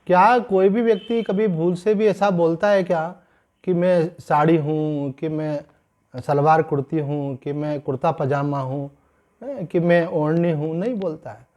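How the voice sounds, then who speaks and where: A man, a swami giving a sermon-style scripture discourse, explaining calmly and slowing down to stress key points. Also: sits high. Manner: calm explanatory teaching, mixing in English phrases, slows to stress points.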